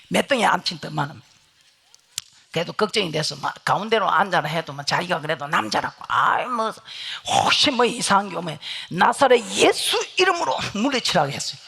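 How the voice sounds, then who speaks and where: A woman preaching a revival sermon in a church with a Gyeongsang Korean accent, telling stories, loud one moment and hushed the next. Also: fairly high pitch, gravelly, husky. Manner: storytelling, swings from loud to hushed. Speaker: guest pastor. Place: church sanctuary.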